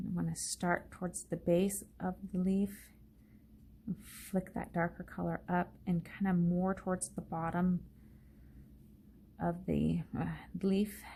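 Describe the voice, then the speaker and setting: Very slow female speech broken by long, frequent pauses. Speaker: card-making crafter. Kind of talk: tutorial. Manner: halting.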